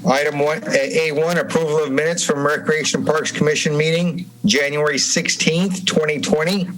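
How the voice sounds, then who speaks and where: A man chairing a public meeting in formal procedural language, speaking in a halting, deliberate way. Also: a little high, fairly even intonation, a bit bright, poor audio. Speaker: commission chairman. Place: remote meeting over Zoom.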